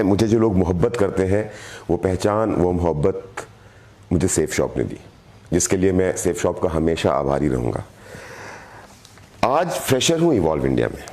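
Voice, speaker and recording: Hoarse, low-voiced man speaking earnestly. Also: darkish tone. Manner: earnest, deliberate, repeats phrases for emphasis. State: hoarse, sore throat. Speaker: direct selling team leader. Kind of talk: motivational live video address.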